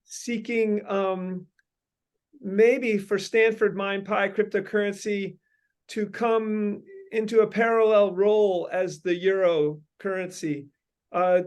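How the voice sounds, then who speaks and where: A man's voice: high voice, fairly even intonation, slow, a little mellow, clean tone. A man hosting a meeting, brainstorming in long winding sentences full of ums and uhs. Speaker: host leading a meeting.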